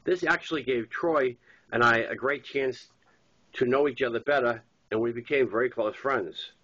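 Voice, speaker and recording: A man's voice: mid-range voice, normal speed, a bit bright. Congested Boston-accented man reading aloud. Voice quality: congested, stuffy nose. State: congested from a head cold. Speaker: author reading his own novel. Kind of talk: narrated memoir-style audiobook reading. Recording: dull lo-fi recording.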